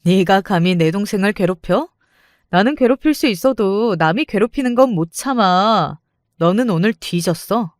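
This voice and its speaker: A woman's voice: medium pitch, lively intonation, normal speed, dry recording, studio quality, lightly acted. A woman voicing a brash, foul-mouthed older sister who taunts and threatens in a dramatized story. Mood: threatening, boastful.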